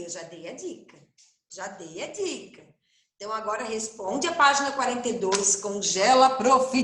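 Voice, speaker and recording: A woman with a Brazilian accent teaching a recorded lesson to first graders, speaking slowly and stressing each syllable in a sing-song way. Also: high-pitched, sharp tone. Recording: roomy echo.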